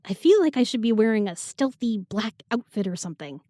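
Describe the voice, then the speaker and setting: Plucky young outsider for fantasy audio drama, female actor: irreverent, bouncy intonation, higher pitch, flippant, dry recording. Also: fairly quick, no echo. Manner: casual, flippant, excitable.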